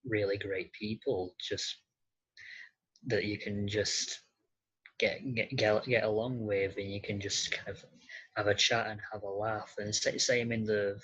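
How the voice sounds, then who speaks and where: The recording is a little dull and muffled. A man with a fairly low, husky voice chats casually as an interview guest. He speaks in a halting, hesitant and understated manner. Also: level tone, a bit bright. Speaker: podcast guest, model and actor.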